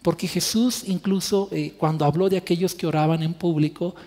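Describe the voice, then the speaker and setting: A man's voice: on the high side, fairly even intonation, a little fast, warm tone. A man preaching a sermon as pastor, earnest, stretching key words for emphasis. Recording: church hall reverb.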